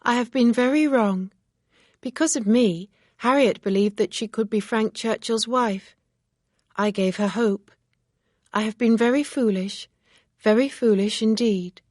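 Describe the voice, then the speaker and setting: A woman's voice: on the high side, a little slow, a little mellow, no echo, voice pushed up. A proper young lady, as a female reader puts her on, earnest and precise in her formal phrasing, her voice raised a little above the reader's own. The storybook recording sounds dry and close. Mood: remorseful.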